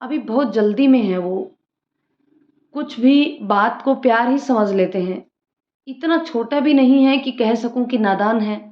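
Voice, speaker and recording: A woman voicing a young divorced woman who speaks in a soft, earnest and resolute way. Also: on the high side, a little slow, close to an everyday voice. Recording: roomy lo-fi room sound.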